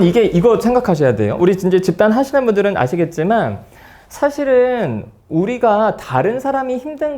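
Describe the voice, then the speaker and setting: A man lecturing a room full of people, his voice sitting a little higher than most men's. His pitch swings widely as he acts out quoted lines between his explanations. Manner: lively, acts out quoted dialogue. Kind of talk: psychology lecture to an audience.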